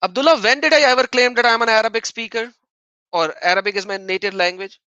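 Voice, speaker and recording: A man's voice: sits high, fairly even intonation, quick pace, bright, forceful tone, no room sound, muffled recording. A man whose native language is Urdu, hosting a heated livestream debate and reading out viewer donations, combative and insistently repeating his point.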